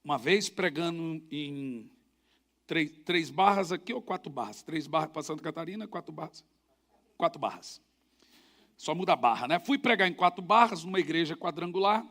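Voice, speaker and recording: A man's voice: on the high side, normal speed. A middle-aged man with a Brazilian Portuguese accent, a pastor preaching a sermon and telling stories with sound effects. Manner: animated storytelling with sound effects.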